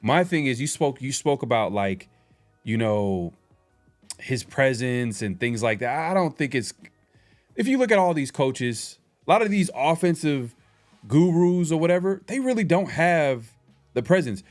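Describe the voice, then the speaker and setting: A man's voice: medium pitch, lively intonation, a little slow, soft background music. A man co-hosting a casual sports talk show, rambling through his points with hedges and skeptical pushback.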